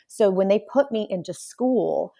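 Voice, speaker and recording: A Polish-born woman telling stories in a relaxed interview, acting out quoted voices. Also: medium pitch, measured pace, creaky. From Poland. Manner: animated storyteller, acts out quotes. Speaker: guest. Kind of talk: casual interview conversation.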